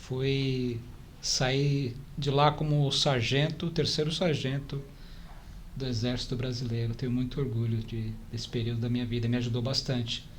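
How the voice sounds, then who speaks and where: Male podcast guest, 40s, São Paulo accent, mid-pitched, conversational, some background noise. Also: level tone, moderate pace. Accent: São Paulo Brazilian. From São Paulo, Brazil. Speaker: podcast guest, church stake president. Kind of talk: casual interview chat.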